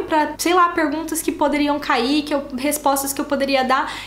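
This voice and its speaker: A woman talks at a moderate pace and a high pitch. The recording has audible room echo and noticeable background noise. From Brazil, interior of São Paulo state. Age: 20s. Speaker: flight attendant, former au pair. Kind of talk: casual personal story time. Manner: animated.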